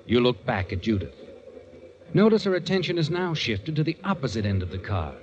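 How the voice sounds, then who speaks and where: A man's voice: medium pitch, very animated, fairly quick, lo-fi sound, slight background noise, lightly acted. A male actor as the sly, taunting narrator of a 1940s radio crime drama, addressing the character in a knowing, insinuating way. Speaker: host and narrator.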